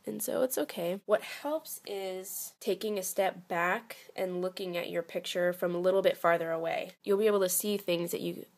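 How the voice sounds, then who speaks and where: A woman's voice: lowish voice, steady tone, normal speed, creaky, few pauses. A woman with a slightly stuffy voice from a cold, patiently explaining how to draw step by step. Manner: patient, gently encouraging. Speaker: drawing tutorial host. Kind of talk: step-by-step drawing instruction.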